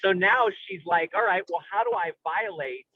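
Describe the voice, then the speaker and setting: Tinny narrow-band audio, male speaker, fairly high pitch, bookish vocabulary, halting delivery, analytical film chat. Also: bright, forceful tone, dry recording. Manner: intellectual, academic vocabulary. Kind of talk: analytical film discussion, conversational. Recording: tinny phone-like radio-style sound.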